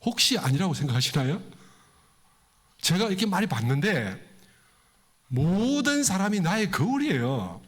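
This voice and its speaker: A male preacher talks to his congregation in a temple hall. He keeps asking them questions and acts out the voices of people in his stories. His voice sits a little high and swings widely in pitch. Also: very animated, moderate pace, long pauses. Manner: conversational, asks the congregation questions. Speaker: pastor. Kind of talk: sermon.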